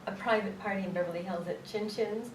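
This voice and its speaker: A woman's voice: mid-range voice, fast talker, a crowd in the background. A woman guest on a talk show, animatedly telling stories and laughing often. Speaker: guest, calligrapher and actress. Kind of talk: casual talk show chat. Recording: roomy, distant from mic.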